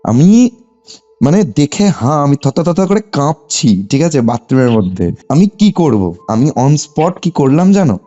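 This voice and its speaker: A man's voice: on the high side, a little slow. A young man with a West Bengal Bengali accent tells a personal story conversationally as a caller, often checking that his listener follows. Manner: animated telling, often seeking confirmation with short tags. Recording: muffled lo-fi phone call, music behind. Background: background music.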